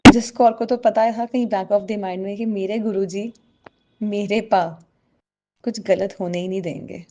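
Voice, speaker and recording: A woman's voice: mid-range voice, steady tone, a little slow, mellow, slight background noise. A woman tells a personal devotional testimony to a congregation, earnestly and often addressing her listeners directly.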